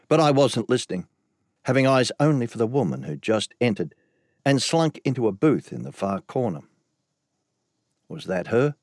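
A man's voice: fairly low pitch, a little mellow, no room sound, studio quality. A man narrating an audiobook in the first person, telling the story evenly.

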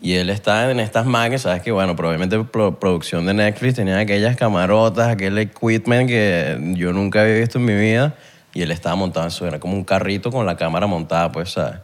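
A Venezuelan man, a guest actor, telling stories in a casual podcast chat, relaxed and full of slang. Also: lowish voice, fast talker. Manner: laid-back storyteller full of slang.

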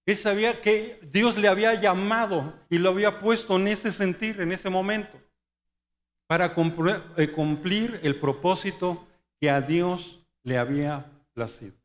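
Male pastor, higher voice, lively storytelling sermon, long hall reverb. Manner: storytelling, quick and conversational, acting out dialogue. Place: church hall.

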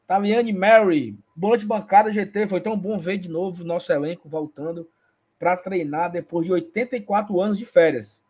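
A husky, high-pitched man hosts a casual live fan show. He reads viewer comments aloud in a playful, chatty way, greeting each one. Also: normal speed, a little mellow. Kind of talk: casual live-stream chat.

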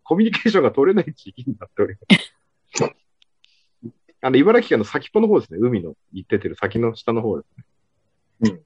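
A man with an Ibaraki accent, hosting a casual podcast chat with quick jokes and frequent laughter. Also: medium pitch, big pitch swings, a little mellow, slightly rough, no echo, muffled recording. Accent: Ibaraki dialect. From Ibaraki, Japan. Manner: quick, joking, laughing often. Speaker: podcast host.

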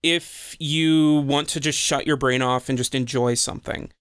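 A man's voice: medium pitch, fairly even intonation, normal speed, fairly bright tone, smooth, dry recording, clean studio sound. A young man co-hosting a casual podcast, laid-back and heavy on fillers like "um" and "like". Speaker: podcast co-host.

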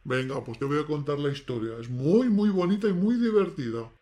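A man's voice: a little high, animated, fairly quick, mellow, lightly acted. A man playing a sinister yet doting father who tells twisted bedtime stories in an audio drama, wry and grumbling. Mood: indulgent, grumbling. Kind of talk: audio fiction acting.

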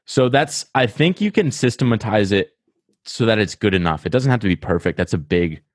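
Lively intonation marks this man's low-side voice as he talks a little fast in casual podcast chat. With a Rhode Island accent, he speaks eagerly and at length, often breaking off to restart. The studio-quality track has no echo.

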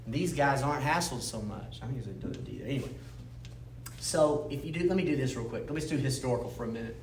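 A man's voice: medium pitch, animated, fast. A man teaching an informal Bible history class in a church room, explaining in a conversational way and often checking in with his listeners. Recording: echoey room, faint background noise.

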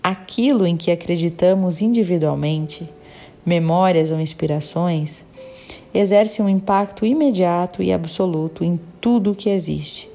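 A woman reading the lines of a calm, wise male spiritual healer in measured, earnest pronouncements. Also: on the low side. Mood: solemn.

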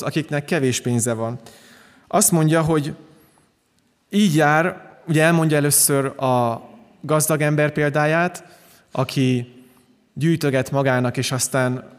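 Male pastor, middle pitch, earnest unhurried sermon delivery, reverberant hall sound. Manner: calm, earnest preaching with frequent restarts.

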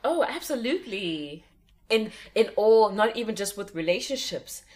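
A woman's voice: mid-range voice, expressive, moderate pace, a little mellow. Laid back giggly woman on a podcast, chatting close to the mic. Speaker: podcast co-host. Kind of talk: casual chat.

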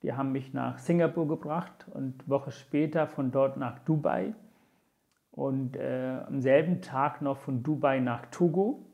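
Gravelly man, Tamil native, recounting slowly. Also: medium pitch, lo-fi sound. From Sri Lanka. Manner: many hesitation fillers, earnest and reflective. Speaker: interview guest. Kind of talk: conversational storytelling.

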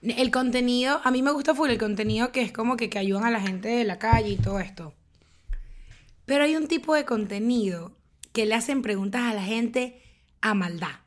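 Animated young Venezuelan woman, high voice. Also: normal speed. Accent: Venezuelan Spanish. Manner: animated, emphatic storytelling with slang. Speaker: podcast co-host. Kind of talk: casual chat.

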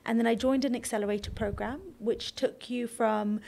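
A young adult woman from Kenya, a startup founder, answering interview questions in a relaxed, conversational way with occasional fillers. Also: on the high side, moderate pace, creaky. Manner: conversational, explains at length with fillers and restarts.

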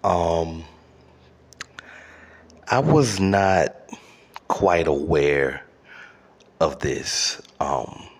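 A man's voice: a bass voice, fairly bright tone, husky. A man hosting a podcast, delivering a profane, exasperated comedic rant with stammered repeats. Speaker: podcast host.

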